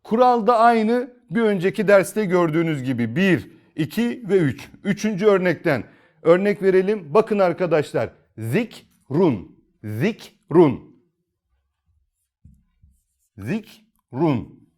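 A male Quran reading teacher, a little higher-pitched than most men, whose voice rises and falls a lot as he explains each rule. He asks his students questions and answers them himself, going over the steps again and again. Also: expressive, normal speed. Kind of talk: step-by-step recitation lesson.

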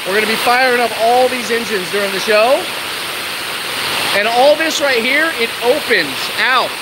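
A woman's voice: on the high side, expressive, moderate pace. An enthusiastic woman giving a casual, informal vlog tour, walking through and commenting as she goes. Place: large metal shed in rain. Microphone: handheld camera. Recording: very loud rain roar and hiss.

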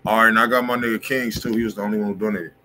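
A man with a fairly low voice talks loosely and casually as he reviews tracks on a livestream, peppering his talk with slang and quick check-ins. He sits at a desk in a home studio room. A faint hiss of room noise sits under his voice. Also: little pitch movement, pushed and bright. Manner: laid-back slangy talk, keeps asking "you feel me". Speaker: music review show host.

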